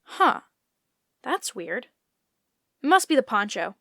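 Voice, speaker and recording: A woman's voice: fairly high pitch, sing-song, slow pace, gravelly, bright, forceful tone, heavily acted. A woman playing a sensible, sceptical young female friend in an audio comedy drama. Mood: focused. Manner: skeptical, matter-of-fact. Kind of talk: audio fiction comedy acting.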